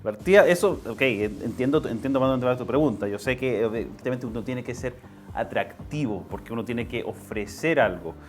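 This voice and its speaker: A Chilean man talks as an interview guest in a mid-pitched voice. He explains his views conversationally, stopping and restarting and repeating phrases to drive them home, with faint music behind him. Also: expressive, normal speed. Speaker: interview guest, political writer. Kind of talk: conversational political commentary.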